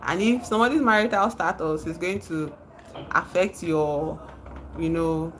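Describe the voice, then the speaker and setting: A woman's voice: on the low side, unhurried, fairly bright tone, slight background noise, low-quality recording. A woman from Nigeria with a Nigerian accent, chatting casually on a livestream, reading out and answering viewers' comments and laughing often.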